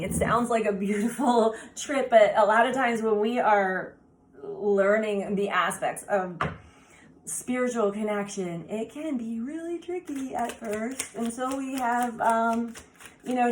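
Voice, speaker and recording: A woman whose voice is raspy from laryngitis, doing an oracle card reading for viewers and exclaiming eagerly over the cards in a soft, meandering way. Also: on the high side, slight background noise, rough recording. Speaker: card reader.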